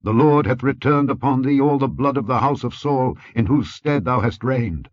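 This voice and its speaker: Male reader as bitter biblical curser: loud, accusing, declamatory, voice lifted high above his norm, dry recording. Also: moderate pace, no room sound, dull audio, close to an everyday voice. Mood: furious accusing. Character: bitter angry man cursing a king. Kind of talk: dramatic scripture reading.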